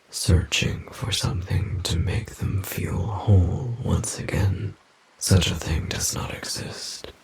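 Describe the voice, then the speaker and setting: An ancient demon guardian of the forest for an audio roleplay. The voice is deep and very husky, often sinking into a breathy, gravelly whisper. The delivery is extremely slow, formal and solemn, with a grave, measured weight. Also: male voice, full character voice, low-quality recording.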